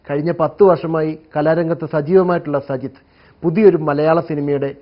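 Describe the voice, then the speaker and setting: A man narrates a scripted feature. His voice sits a little high for a man, and the recording sounds dull and lo-fi. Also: steady tone, brisk. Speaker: programme narrator. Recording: muffled, low-fidelity broadcast audio.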